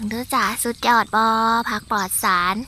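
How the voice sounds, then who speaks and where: A woman's voice: fairly high pitch, steady tone, normal speed, pushed and bright. A woman with an Isan accent giving a chatty walking tour of her vegetable garden, exclaiming and talking straight to her viewers.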